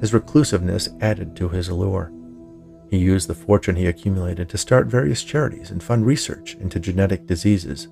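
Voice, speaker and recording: A man narrating scripted fiction for a podcast in a measured storytelling way. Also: low-pitched, vocal fry, mellow, soft background music. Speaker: podcast narrator, writer and producer.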